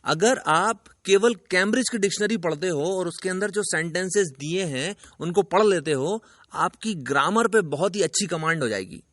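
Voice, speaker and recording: A man's voice: sits high, lively intonation, normal speed, a bit bright, no echo, clean studio sound. A man teaching as an English teacher in an emphatic, lecturing video lesson that speaks straight to the viewer.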